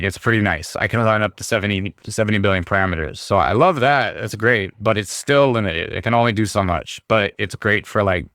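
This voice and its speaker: Streamer guy, kinda low voice, going hoarse from being sick, rambles with lots of likes and you-knows, dry close mic. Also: a bit bright, no room sound. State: hoarse, recovering from illness. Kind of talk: casual livestream talk.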